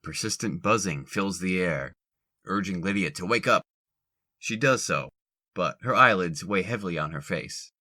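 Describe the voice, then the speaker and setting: Low-pitched audio drama narrator. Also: lively intonation, moderate pace, sharp tone.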